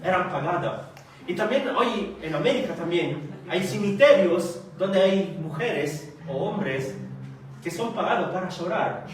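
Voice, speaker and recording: A fairly high-voiced man preaches in an unhurried, halting way, pausing often and asking his listeners questions. He sounds far from the mic, and his voice bounces around a very echoey meeting hall. Faint room ambience sits underneath. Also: expressive. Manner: slow and halting, with frequent hesitations and rhetorical questions. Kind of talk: sermon.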